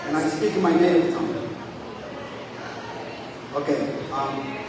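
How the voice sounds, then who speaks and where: A man's voice: on the high side, a little slow. Man at the mic, formal and polite, long reverb, noisy room. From Dominican Republic. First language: Spanish. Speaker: resident speaking at public comment. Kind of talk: public comment at a school board meeting. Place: large meeting hall. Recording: echoey hall from far off, noisy.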